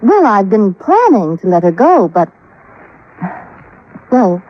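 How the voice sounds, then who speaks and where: A woman's voice: medium pitch, big pitch swings, slow. An actress playing a genteel, evasive young woman from an old family in 1950s radio drama style, hesitant and confiding. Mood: suspicious. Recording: dull lo-fi old radio recording.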